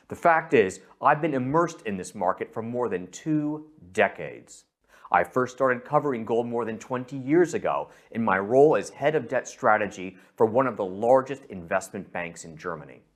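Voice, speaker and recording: A middle-aged man from San Francisco with an American accent, presenting a scripted investment pitch and speaking directly to the listener. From San Francisco, USA. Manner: persuasive, addresses the listener directly.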